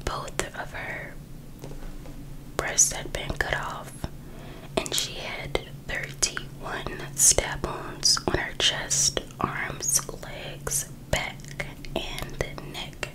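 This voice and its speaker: A woman reading a book aloud for ASMR in a breathy, unvoiced whisper, pausing between short phrases. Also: low-quality recording. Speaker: ASMR creator.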